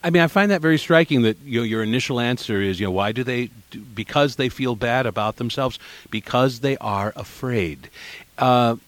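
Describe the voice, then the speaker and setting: A man hosting a radio interview, asking measured, reflective questions. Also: mid-range voice, no room sound.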